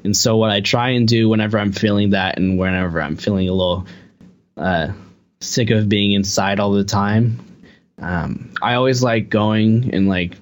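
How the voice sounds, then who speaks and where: A man's voice: lowish voice, steady tone, moderate pace, dull audio. Laid-back young man, filler-heavy chat. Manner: rambling, heavy use of filler "like". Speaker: guest musician. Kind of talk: casual podcast conversation.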